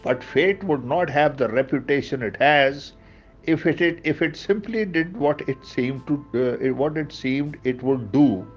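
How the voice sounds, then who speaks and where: A man's voice: fairly high pitch, measured pace, breathy edge. A man with a South Asian accent reads a book aloud as a storyteller, theatrical in delivery, with conversational asides. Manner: theatrical, hesitant in asides, switches between English and Urdu. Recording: dull lo-fi audio with background music. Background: music.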